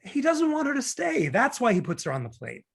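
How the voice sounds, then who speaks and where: A man's voice: very high-pitched, huge pitch swings, brisk, vocal fry, breathy edge, exaggerated voice. A man playing a glib, cynical young law graduate who argues and needles in a script table read. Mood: needling. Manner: sardonic, argumentative, needling.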